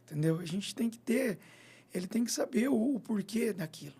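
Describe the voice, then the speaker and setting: Um veterinário e dono de clínica, convidado de rádio, conversa de forma descontraída e tagarela, repetindo "entendeu?" e "né?" e encenando pequenas cenas. Sua voz masculina é aguda, animada, rouca, áspera e de timbre escuro, em ritmo moderado.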